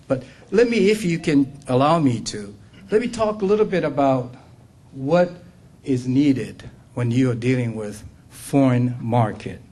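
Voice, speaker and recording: A man's voice: medium pitch, warm tone, breathy edge. An older man from Japan with a Japanese accent, giving an earnest business talk as a guest speaker at a luncheon and checking in with the room. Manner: earnest, laughs often, asks "okay?" and "right?".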